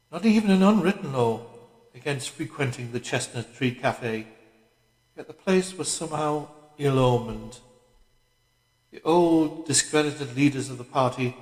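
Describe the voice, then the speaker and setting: A man narrates a novel at a medium pitch. His phrasing is measured and deliberate, in a scripted literary style. The room is very echoey, with a long reverb on the voice. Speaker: audiobook reader.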